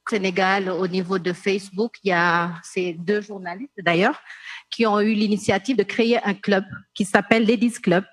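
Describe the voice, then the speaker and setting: A woman's voice: mid-range voice, dry recording. Explanatory Senegalese-accented woman, dry sound. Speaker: panelist. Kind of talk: panel discussion remarks.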